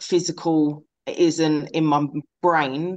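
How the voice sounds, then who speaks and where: A woman with a British accent, a very deep, low pitch and fairly even intonation, set against a quiet background. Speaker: podcast host and confidence coach. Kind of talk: podcast intro and casual group mentoring chat. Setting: video call.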